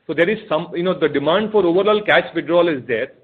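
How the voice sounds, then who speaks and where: A man with an Indian accent answering questions as an executive on an earnings call, speaking haltingly and repeating his phrases. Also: a little high, breathy edge. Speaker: company executive answering analysts. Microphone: telephone conference call. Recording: narrow, tinny phone conference line.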